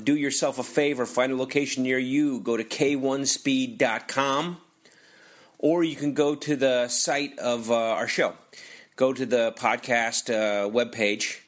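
An American man hosting a podcast, talking loosely and haltingly through plugs and sponsor reads in a casual, ad-libbed way. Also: mid-range voice, a bit bright. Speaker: podcast host.

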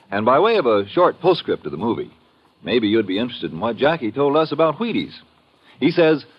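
A man's voice: medium pitch, husky. A man with an American accent announcing and selling on 1950s radio in an emphatic, folksy way. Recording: dull old radio recording.

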